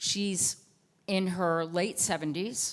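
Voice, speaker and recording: A woman with a fairly low pitch and ordinary pitch variation speaks in a plain, everyday voice. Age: 60s. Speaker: artist and panel moderator. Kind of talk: panel discussion Q&A.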